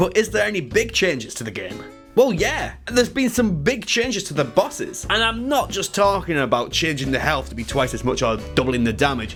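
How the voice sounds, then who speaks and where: Over music in the background, a man with a British accent talks at a fairly quick pace with hardly any pauses. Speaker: gaming YouTuber and streamer. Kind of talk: video essay narration.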